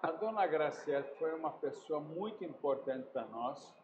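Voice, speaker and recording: A man's voice: fairly high pitch, unhurried. Older São man telling stories. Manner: animated anecdotes, acts out dialogue. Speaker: meat company owner, guest. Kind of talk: casual podcast chat, storytelling. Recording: roomy, muffled, noisy room sound.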